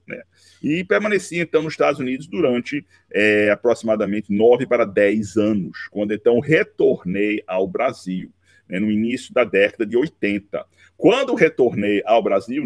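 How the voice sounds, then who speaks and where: A man, recounting his life story in an interview, unhurried and dotted with tag questions. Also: mid-range voice, no echo, studio quality. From Recife, Brazil. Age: 50s. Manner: unhurried, with frequent "né" tags and restarts. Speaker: interview guest, law professor. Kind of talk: relaxed autobiographical interview.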